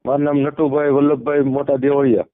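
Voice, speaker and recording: A man's voice: medium pitch, little pitch movement, fast. A man with a Saurashtra Gujarati accent talking informally as a caller, deferential and often repeating himself. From Amreli district, Gujarat, India. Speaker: caller seeking help. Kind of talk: informal phone conversation. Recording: narrowband phone call audio.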